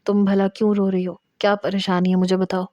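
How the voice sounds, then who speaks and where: Woman narrator doing a calm, kind young male cousin in a storybook romance. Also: mid-range voice, dry recording, muffled recording, close to an everyday voice. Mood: gentle. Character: gentle young man cousin, calm and caring.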